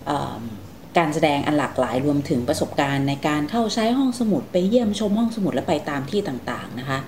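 A woman's voice: sits low, big pitch swings, a little fast, a little mellow, a little hiss or hum. A woman hosting a conversational interview, politely asking questions and summing up with some hesitation. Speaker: interviewer, show host.

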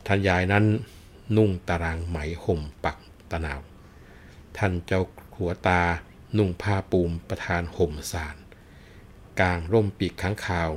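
Deep-voiced unhurried male storyteller. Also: fairly even intonation, a little hiss or hum. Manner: unhurried, addresses listeners, frequent polite particles. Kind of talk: explanatory storytelling talk.

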